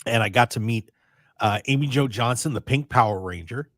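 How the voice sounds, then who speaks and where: A man hosting a radio show in casual, rambling chat, his voice a little raspy and strained. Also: medium pitch, fairly quick, no echo, studio quality. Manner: chatty, excitable, rambling. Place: radio studio.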